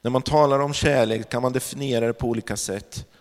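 A man sharing a spiritual testimony in a sermon-like talk, telling the story reflectively with pauses and fillers. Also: medium pitch, steady tone. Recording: long hall reverb.

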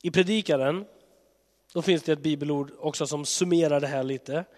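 Earnest preacher with a cold. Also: male voice, on the high side. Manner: earnest, conversational, searching. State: has a cold. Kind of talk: sermon. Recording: long hall reverb.

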